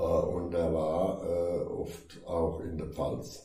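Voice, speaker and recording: Noticeable background noise surrounds a man's voice. Audible room echo hangs on his words. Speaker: chairman of a church heritage association. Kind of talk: interview. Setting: in the old church. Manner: hesitant, many fillers.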